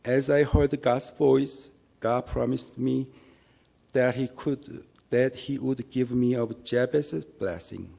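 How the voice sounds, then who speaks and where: A man with a Korean accent, a native Korean speaker, giving an earnest church testimony in English with a measured, halting delivery and small restarts. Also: mid-range voice, vocal fry, dark tone. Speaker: lay minister giving testimony.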